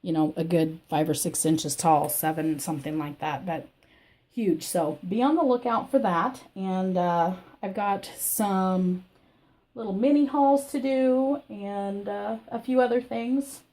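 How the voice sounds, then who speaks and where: A woman with a scratchy, croaky voice from illness, hosting a crafting channel. She gives a rambling, chatty personal update from her home craft room. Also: medium pitch, measured pace, dark tone. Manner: rambling and chatty, with many fillers. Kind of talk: casual personal update chat.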